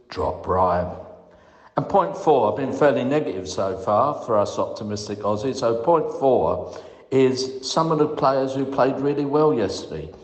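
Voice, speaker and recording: A man leaving a voicemail for a podcast, giving a methodical, critical fan's opinion point by point. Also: lowish voice. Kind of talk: prepared point-by-point match opinion. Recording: echoey, reverberant room voicemail.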